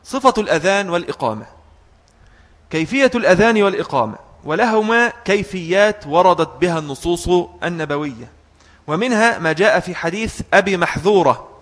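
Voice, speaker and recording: A man's voice: high voice, expressive, brisk, fairly bright tone. A man teaching a religious lesson. He switches between formal Arabic and everyday asides and chants short phrases to show how they should sound. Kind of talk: classroom fiqh lesson. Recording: long hall reverb.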